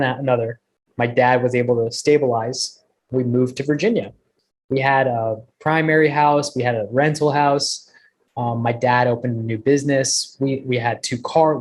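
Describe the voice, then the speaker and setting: A man with a husky, slightly breathy voice at an ordinary middle pitch, speaking as a guest to an online group. He tells his own story with energy and repeats key lines for emphasis. His delivery feels personal and motivational. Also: a little mellow, rough recording. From Bangladesh.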